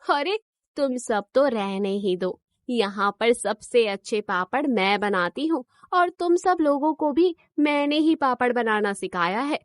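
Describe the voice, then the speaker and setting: Lady doing a bragging greedy village woman, higher voice, dry sound. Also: expressive, unhurried, no room sound. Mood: indignant. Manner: boastful and indignant. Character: proud, greedy village woman who makes papads.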